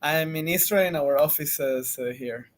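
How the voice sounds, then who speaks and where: A man's voice: a little high, unhurried. A man from Venezuela, a marketing executive answering interview questions from his office, casual, with many fillers and restarts.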